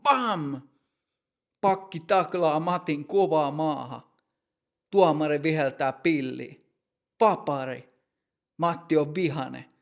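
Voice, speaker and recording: Brief: male narrator for a learners' story, gravelly edge, fairly high voice, clear measured reading. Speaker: language teacher narrator.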